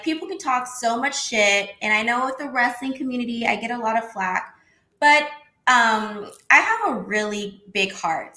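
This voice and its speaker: A woman in her thirties with a high-pitched voice, talking in a casual, outspoken way as a guest on a video call interview. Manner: animated, outspoken, swears casually. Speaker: interview guest, former wrestler. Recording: echoey room.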